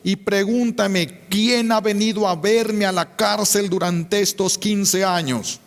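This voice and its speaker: A bitter, combative female prisoner who warns and shouts defiantly, as a priest puts her on in his sermon. The voice is pitched up high. It rings with a long church reverb. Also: fairly even intonation, slow. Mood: bitter warning.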